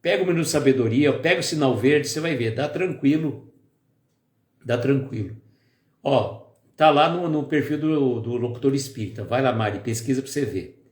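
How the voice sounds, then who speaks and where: A man hosting a spiritist live stream, chatting casually with viewers by name and then slowly leading a calm guided prayer. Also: medium pitch. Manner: slow, soft and calm when leading the prayer. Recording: echoey room with faint music.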